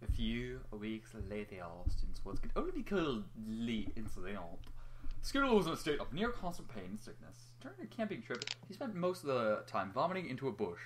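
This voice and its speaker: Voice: mid-range voice, sing-song, fairly quick. A young adult reading a story aloud in an amateur, casual way, stumbling at times, teasing and swearing between passages. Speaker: reader of a story. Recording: noticeable background noise.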